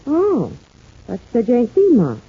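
A woman's voice: on the high side, huge pitch swings, slow, husky, exaggerated voice. A woman acting a fretful, devoted working-class housewife in an old-time radio serial, with a folksy, emphatic delivery. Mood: puzzled curiosity. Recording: thin, phone-like old radio recording.

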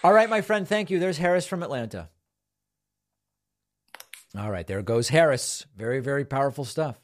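Brisk man hosting a call-in show. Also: mid-range voice, animated. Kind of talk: casual call-in talk and read sponsor ads.

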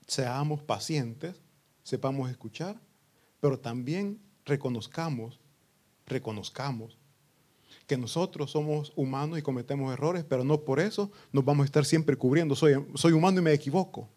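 A pastor preaching a sermon to his congregation, breaking into loud outbursts and acting out what people say. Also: medium pitch, unhurried, pauses often. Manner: preaching with sudden loud outbursts and acted quotes.

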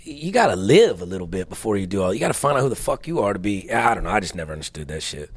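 A man's voice: on the low side, sing-song, very fast, breathy edge, no room sound. A man in his early thirties chatting casually as a podcast guest, blunt and slangy, with plenty of swearing. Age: early 30s. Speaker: touring comedian, podcast guest. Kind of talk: casual chat.

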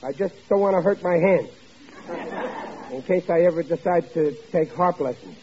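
An actor playing a blustering but soft-hearted working-class father in an old-time radio sitcom, stammering through his mock-stern talk. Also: a little high, normal speed, a crowd in the background, close to an everyday voice. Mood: sheepish, confiding. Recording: dull vintage radio recording, faint noise, audience.

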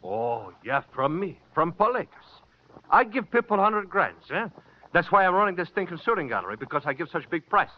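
An actor playing a sly, mocking ex-bookie who runs a shooting gallery in a 1950s radio drama. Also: male voice, sits high, very animated, a little fast. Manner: taunting, sly. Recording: muffled old radio broadcast.

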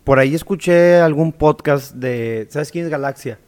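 A man with a Mexican accent hosting a casual interview, asking relaxed, curious questions. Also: fairly high pitch, normal speed. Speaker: podcast host.

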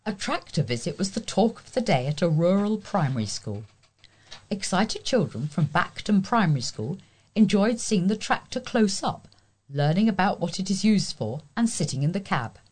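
British woman, husky voice, animated intonation, volunteer newsreader, scripted local news reading. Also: mid-range voice, normal speed. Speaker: volunteer newsreader for a talking newspaper.

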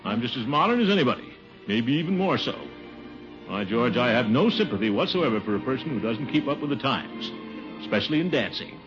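An actor playing a pompous, blustering middle-aged water commissioner in a 1950s radio sitcom, boastful and chuckling. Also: male voice, mid-range voice, big pitch swings, a little fast, over music, natural voice. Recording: dull old radio broadcast recording.

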